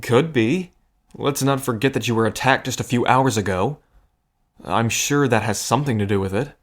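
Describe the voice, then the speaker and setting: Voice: mid-range voice, normal speed, lightly acted. A performer acting a protective, stubborn friend in an audio drama, speaking firmly with dry sarcasm and care. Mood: gentle, wry. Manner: firm, sarcastic, caring.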